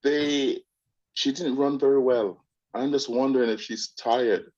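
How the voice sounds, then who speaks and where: A man's voice: medium pitch, steady tone, a little slow, a little mellow. A man from Jamaica with a blend of Jamaican and British speech calls in to a show, chatting in a casual, opinionated way. He often restarts his sentences and repeats words before getting to the point. His voice arrives over a dull, narrow-sounding phone line. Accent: Jamaican with British mix. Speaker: caller. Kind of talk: casual call-in chat.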